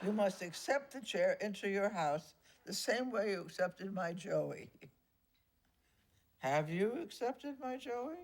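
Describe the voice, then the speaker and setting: A cantankerous old grandmother ghost nags bluntly and teasingly in sitcom style. The speech is slow and very lively in pitch, with clear background noise. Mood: bossy. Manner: blunt, nagging. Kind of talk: sitcom acting.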